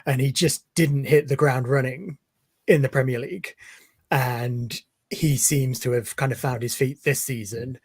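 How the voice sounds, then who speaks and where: A man with a faintly husky voice, recorded close and dry. He talks football in a measured, thoughtful way, stopping often with ums and uhs as he lines up his points. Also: mid-range voice, fairly even intonation, no echo. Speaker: guest, football fan page creator. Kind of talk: casual interview chat.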